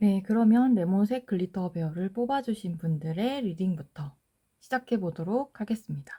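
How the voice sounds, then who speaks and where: Speaking at a very slow pace, a woman shows ordinary pitch variation in a dark, mellow, somewhat breathy tone. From Gyeongsang region, South Korea. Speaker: tarot reader. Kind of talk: tarot reading; casual chat to viewers. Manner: tends to speed up when talking; trying to speak calmly.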